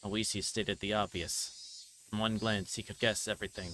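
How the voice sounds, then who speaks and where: A man's voice: lowish voice, flat delivery, normal speed, bright, forceful tone, a little hiss or hum, poor audio. A man livestreaming a visual novel, reading its narration aloud and tripping over words now and then. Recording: music playing behind the voice. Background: game music.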